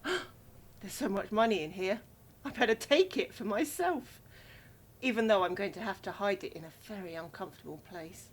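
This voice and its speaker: A dry, grudging female fugitive acted by a woman in an amateur audio play. Her voice sits at an ordinary middle pitch and sounds sceptical, over faint rumbling noise. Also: lively intonation, normal speed, natural voice. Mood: pleased. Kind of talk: amateur audio drama acting.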